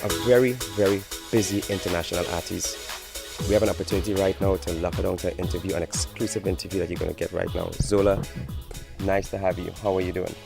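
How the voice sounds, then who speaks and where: A man hosting an interview, asking questions in a smooth, measured, promotional way. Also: low voice, steady tone, music in the background.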